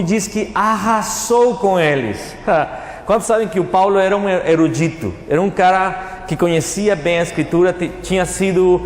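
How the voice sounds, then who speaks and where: High-voiced pastor preaching in an echoey hall. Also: male voice. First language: Spanish. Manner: didactic, repeats phrases and asks the listeners questions. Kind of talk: Bible teaching sermon with call-and-response questions. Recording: echoey hall with long reverb, faint noise.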